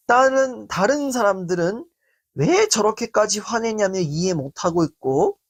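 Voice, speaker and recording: A male lecturer talks through a listener's worry with a husky edge to his voice. His pitch rises and falls freely as he slips in and out of acted-out quotes. The delivery is conversational and expressive. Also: measured pace. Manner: animated, acts out quoted speech. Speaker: lecturer answering a viewer's letter. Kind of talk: talk-show style self-esteem lecture.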